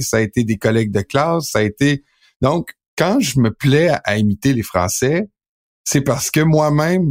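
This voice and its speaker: Québécois man, middle-aged, rambling co-host, mid-pitched voice, casual talk. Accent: Québécois French. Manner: rambling, many fillers and restarts. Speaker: sports podcast co-host. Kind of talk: casual chat.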